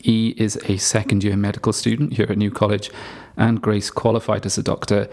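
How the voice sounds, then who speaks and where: Gravelly low-voiced male podcast host. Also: flat delivery, a little fast, a little mellow. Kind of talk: scripted intro, then interview questions.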